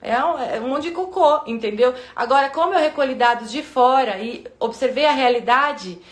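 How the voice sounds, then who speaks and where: A woman in her thirties with a Brazilian Portuguese accent, talking casually to her viewers and acting out her inner voices in sudden high bursts. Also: normal speed, roomy sound. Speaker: vlogger giving relationship advice.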